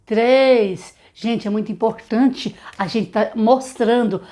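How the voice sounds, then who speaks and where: Woman teaching literacy, lively singsong. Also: fairly high pitch. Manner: animated, models phonics to children in a singsong voice.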